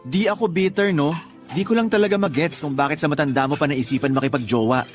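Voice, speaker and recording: A man's voice: fairly high pitch, fast, close to an everyday voice. An actor playing an uptight, closeted young gay man who grumbles reluctantly, in a Tagalog radio drama. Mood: grumbling. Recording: music bed behind the voice.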